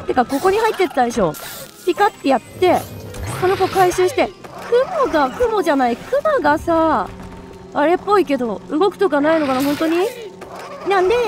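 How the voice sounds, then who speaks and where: An excitable woman chatting through a video game with a very high, bouncy voice that jumps all over. She talks in quick bursts and exclamations. Soft game music plays under her. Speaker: let's play streamer. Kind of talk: live gameplay commentary.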